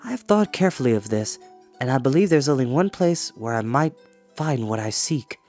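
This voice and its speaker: A storybook reader playing an earnest, resolute young man on a quest, speaking in a measured, solemn way. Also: medium pitch, animated, a little mellow, faint music behind, lightly acted. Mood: thoughtful, resolute. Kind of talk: storybook character reading.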